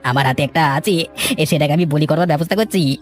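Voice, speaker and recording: A man's voice: fairly high pitch, fairly quick, soft background music, lightly acted. A man voicing a two-faced, ambitious cartoon villager, sly and eager, who swindles his neighbours. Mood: eager, scheming. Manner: smooth-talking, sly, eager. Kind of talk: dramatic cartoon voice acting.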